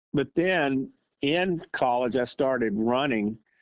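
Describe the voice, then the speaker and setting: This man speaks with a West Texas accent and ordinary pitch variation. The recording is very clean and dry, close with no echo, with a silent background. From West Texas / eastern New Mexico. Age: 60s. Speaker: retired teacher and cyclist. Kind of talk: podcast interview. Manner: halting, repeats words.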